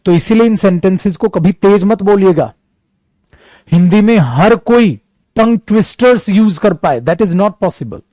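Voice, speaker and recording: A man's voice: high voice, expressive, mellow, dry recording. A man teaching spoken English with an Indian English accent, mixing Hindi and English and calling his students "beta". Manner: calls students "beta", mixes Hindi and English, slows right down for English examples. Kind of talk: bilingual classroom lesson.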